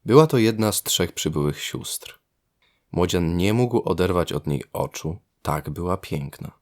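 Deep, creaky male storyteller. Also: animated, a little slow. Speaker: storyteller, narrator. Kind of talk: scripted fairy-tale narration.

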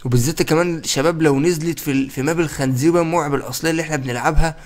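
Young Egyptian male gaming host, playful and chatty, rattles along quickly. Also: a little high, steady tone. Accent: Egyptian Arabic. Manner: playful, chatty, addresses viewers directly. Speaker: gaming YouTuber. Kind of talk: casual gameplay commentary.

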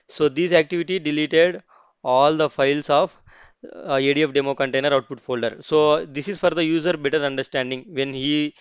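A man talks through a software tutorial at his computer, narrating every click and often stopping to restart a sentence. His voice is smooth and clear and sits at an ordinary pitch. The recording is dry and a little dull, with no room sound. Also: no room sound. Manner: explains step by step, with many restarts and "okay, see" asides. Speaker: tutorial host.

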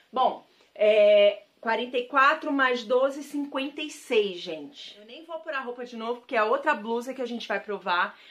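A woman's voice: fairly high pitch, a bit bright. A woman from Brazil chatting to camera as a vlogger, gushing over her thrift-shop finds and addressing viewers directly. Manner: chatty and gushing, repeats praise words. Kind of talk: casual haul chat to camera.

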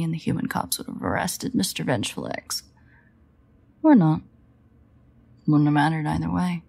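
Low, husky sardonic vampire woman played by an actress. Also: darkish tone. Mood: wry, exasperated. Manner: sarcastic, grumbling, hesitant asides. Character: sardonic, guilt-ridden female vampire, protective and foul-mouthed. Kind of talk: intimate audio roleplay acting.

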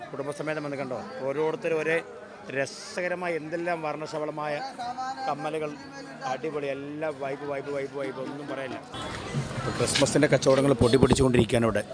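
A man with a Kerala accent gives casual, enthusiastic, repetitive walking vlog commentary, mixing English words into Malayalam. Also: a little high. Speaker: vlogger. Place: crowded street market. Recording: busy outdoor market crowd noise.

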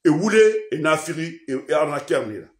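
A man with a Guinean accent, a political commentator ranting in French mixed with a local language, swinging between loud outbursts and low mutters. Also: lively intonation, normal speed, echoey room. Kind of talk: impassioned radio-style rant.

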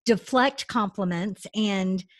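A woman's voice: mid-range voice, slow pace, dry recording, studio quality. A middle-aged woman from the southern United States hosting a video-call interview, talkative and enthusiastic. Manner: enthusiastic, talkative, fillers like you know. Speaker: host. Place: home room indoors. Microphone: video call webcam.

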